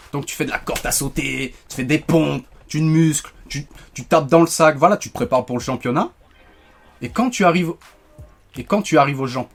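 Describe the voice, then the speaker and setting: A man giving joking, animated commentary while playing a shooter, ranting when things go wrong. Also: mid-range voice. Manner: animated, joking, quick to rant when frustrated. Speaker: gaming YouTuber. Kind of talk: live gameplay commentary.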